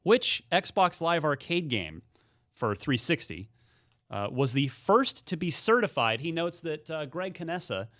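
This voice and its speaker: A man's voice: fairly high pitch, sing-song, unhurried, a bit bright. A man hosting a casual gaming talk show, chatting and running quiz questions with his panel. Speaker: podcast host, trivia quizmaster.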